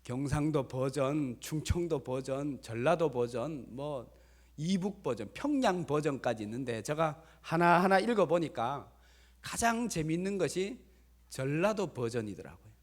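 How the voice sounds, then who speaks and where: A male pastor delivering a Sunday sermon, with emphatic rises and soft asides. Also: fairly high pitch, lively intonation, a little slow. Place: church sanctuary.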